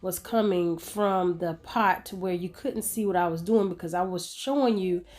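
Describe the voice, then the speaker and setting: A middle-aged woman hosting a home cooking video, chatting in a relaxed, homey way and talking to her viewers as y'all while she cooks. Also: on the low side, normal speed. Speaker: home cook and channel host. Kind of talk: casual cooking tutorial narration.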